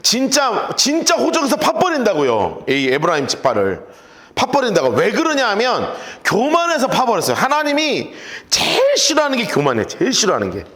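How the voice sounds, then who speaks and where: Lively high-voiced male pastor preaching. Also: moderate pace. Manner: animated, joking, conversational preaching. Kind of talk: sermon with Bible study notes.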